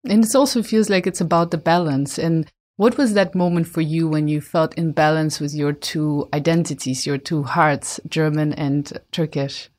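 Interviewer, woman, reflective questions, lower pitch. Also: normal speed, hardly any pauses, darkish tone.

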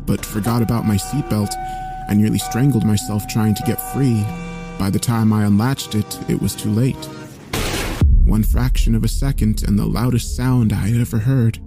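A man narrating a scripted first-person horror story in a measured, solemn way. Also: fairly low pitch, sing-song. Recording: faint music behind. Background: faint background music.

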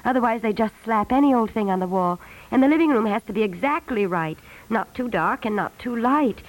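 A woman's voice: fairly high pitch, animated, fairly quick, close to an everyday voice, rough recording. A woman playing a fussy, insistent housewife in a 1950s radio comedy, dithering and over-explaining every detail. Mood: fretful, eager. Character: fussy, insistent housewife choosing paint colors. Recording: vintage 1950s radio recording.

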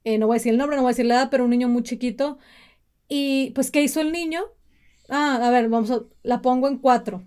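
A woman's voice: high voice, steady tone, fast talker, a little mellow, smooth. A woman, co-hosting a casual chat about parenting and acting out quoted parents in a mocking voice. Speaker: podcast co-host.

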